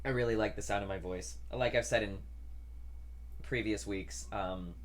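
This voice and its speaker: A young trans man chatting casually in a weekly vlog, rambling and self-deprecating, with a deep voice that doesn't carry. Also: fairly even intonation, normal speed. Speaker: vlogger.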